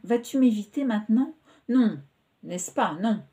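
A woman's voice: on the high side, lively intonation, unhurried, dark tone. A woman reading the part of an emotional young woman who pours out her affection in a pleading, impulsive way, in a storybook reading. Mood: pleading, tender.

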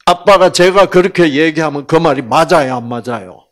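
A man's voice: on the high side, moderate pace. An older man giving a Bible lecture like a sermon. He tells stories with energy, acts out the quoted lines himself and asks his listeners questions. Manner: animated storyteller acting out quotes and asking the audience questions.

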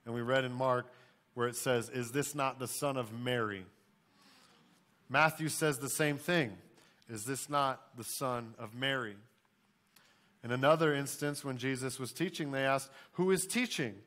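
Male pastor, forties, American accent, medium pitch, emphatic sermon delivery from a church stage. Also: a little slow, a bit bright. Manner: emphatic, repeats questions and key phrases.

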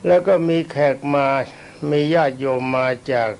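Gravelly old monk, coughing while ill. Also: male voice, mid-range voice, highs cut off, a little hiss or hum. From Thailand. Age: older. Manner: rambling, self-deprecating, pauses to recall names and dates. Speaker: Buddhist monk. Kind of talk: recorded dharma talk.

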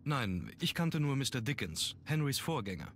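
An actor playing a grave, brooding young aristocratic heir in a video game, speaking in a measured way. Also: male voice, medium pitch, sing-song, fairly bright tone, a little hiss or hum. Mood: guarded. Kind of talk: German video game voice acting.

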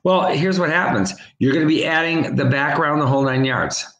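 Calling auction bids over and over in a chatty, rapid way, a man co-hosts a charity livestream from a room at home via webcam on a video call. His voice is fairly high and fairly bright, and the lo-fi sound has a roomy echo.

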